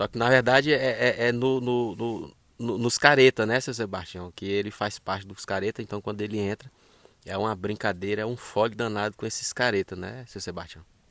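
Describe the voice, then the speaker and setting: It is a very clean recording with a silent background. A man with a fairly low pitch speaks at a moderate pace with fairly even intonation, an ordinary speaking voice. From Brazil, Maranhão (Caxias). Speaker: folk dance performer and interviewer. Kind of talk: interview.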